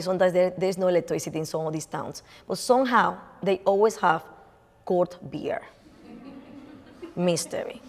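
Middle-aged woman with a Dominican Spanish accent, chatty lecturer in a reverberant hall, many restarts. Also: on the low side. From Dominican Republic. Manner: chatty, many restarts and fillers, gesturing as she speaks. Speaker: visiting artist lecturer. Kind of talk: lecture on her art. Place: lecture room in front of a projected slide.

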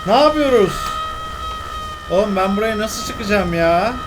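A young man commenting on a video game as he plays, excitable and talking to himself, with frequent exclamations and mutters. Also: sits high, a little slow, over music, poor audio. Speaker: gameplay commentator. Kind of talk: casual let's-play commentary.

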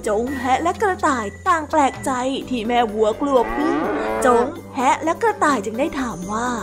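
A woman's voice: sits high, expressive, normal speed. A woman narrating a storybook tale for young children. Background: music.

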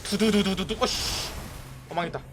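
Young guy streaming a mobile game, high bright voice, yells at his team a lot, faint music under it. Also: moderate pace, slight background noise. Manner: excitable, yelling bursts at teammates, chatting to viewers. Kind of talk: live gameplay commentary.

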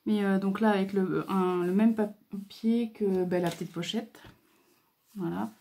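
A woman hosting a casual craft video, talking hesitantly with many fillers and pauses as she admires what she shows. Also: mid-range voice, steady tone. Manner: admiring, soft-spoken. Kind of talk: casual show-and-tell.

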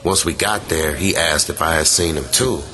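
A man with an extremely deep voice tells a creepy personal story as if chatting with friends. He is laid-back and matter-of-fact, and there is clear rumbling noise behind him. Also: normal speed. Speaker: guest reader of a listener's story. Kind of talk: conversational first-person ghost story reading. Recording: clearly noisy, vehicle-like background rumble.

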